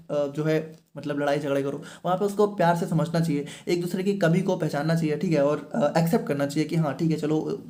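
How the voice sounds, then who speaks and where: A man's voice: on the high side, mellow. A man giving an explanatory online lecture as a pharmacy teacher, speaking between stretches of Hindi and checking in often with short fillers. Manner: mixes Hindi and read-out English, many fillers like "thik hai".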